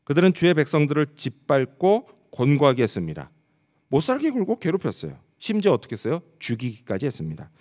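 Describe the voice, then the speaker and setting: A man's voice: a little high, wildly swooping pitch, quick pace, a little mellow. A man preaching a sermon as pastor, asking the congregation rhetorical questions and answering them. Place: church sanctuary. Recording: long church hall reverb.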